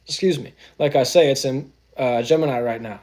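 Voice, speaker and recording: Speaking a little fast in a medium-pitched, slightly mellow voice, a man runs a casual astrology livestream. He is loose and chatty, slipping into AAVE slang. He repeatedly says "you know what I'm saying."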